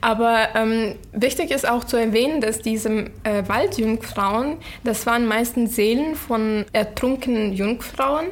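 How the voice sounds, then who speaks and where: A woman with a Ukrainian accent speaks at a very slow pace with hardly any pauses. Her pitch is fairly high, with ordinary pitch variation and very even loudness. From Ukraine, small town. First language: Ukrainian (speaking German). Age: young. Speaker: podcast co-host. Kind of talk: casual chat.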